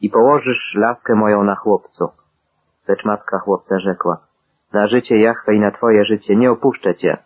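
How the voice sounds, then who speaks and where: A man giving a steady, measured Bible reading, voicing the quoted dialogue in the same even manner. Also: on the low side, phone-quality sound. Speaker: scripture reader.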